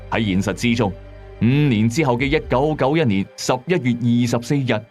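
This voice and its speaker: A man's voice: mid-range voice, a little mellow. A man with a Hong Kong Cantonese accent narrating a scripted story in a dramatic, suspenseful way with colloquial asides. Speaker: narrator and host of a late-night mystery story channel. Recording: voice over background music. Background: music bed.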